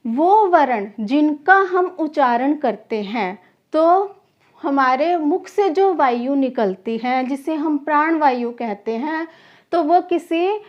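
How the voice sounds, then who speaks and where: High-voiced slow Hindi teacher, question-and-answer style. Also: female voice, highs cut off. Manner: asks questions and answers them herself, repeating key terms; addresses students as children. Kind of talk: classroom lesson for exam students.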